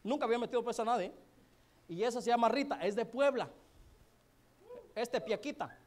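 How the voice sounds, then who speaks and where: Joking man, high voice. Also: a little fast. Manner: joking, colloquial, chatty with many asides to the audience. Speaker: motivational speaker at a business event. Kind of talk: humorous storytelling to a live audience.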